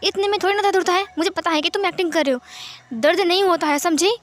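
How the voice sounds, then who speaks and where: A woman's voice: very high voice, fast talker, pitched above the performer's own voice. A woman voicing a brusque young male mafia boss who scolds and dismisses. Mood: irritated.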